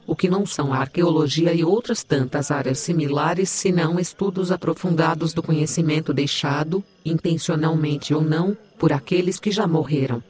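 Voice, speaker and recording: A man voices a digital AI assistant with a diva's vanity in an audio drama. The voice sits a little high, teasing and theatrical, while delivering information matter-of-factly. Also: moderate pace, few pauses, darkish tone, lightly acted. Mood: dry, lecturing. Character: sassy, vain digital AI assistant, self-styled diva.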